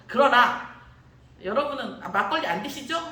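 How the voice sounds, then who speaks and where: Noticeable background noise sits under an animated voice moving at a moderate pace. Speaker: pastor. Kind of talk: sermon. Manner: conversational, animated.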